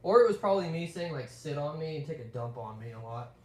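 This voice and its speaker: A man's voice: on the high side, lively intonation, a little mellow, soft background music. A man whose first language is Russian, chatting casually and crudely on a live stream, rambling with lots of swearing. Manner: rambling, halting with fillers.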